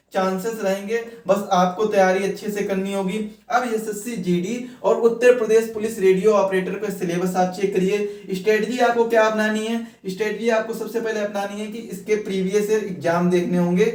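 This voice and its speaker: High-pitched man, echoey and distant. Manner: repetitive, asks questions and answers them himself. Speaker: exam-preparation coach and video host. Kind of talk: informal explanatory exam update. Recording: echoey room, distant from mic.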